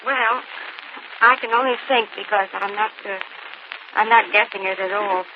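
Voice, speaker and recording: A woman who is a guest panelist, guessing haltingly with many pauses, on an old radio broadcast with hiss. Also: mid-range voice, steady tone, muffled recording. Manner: hesitant, halting. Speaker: guest panelist, magazine editor. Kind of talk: unscripted guessing on a radio quiz.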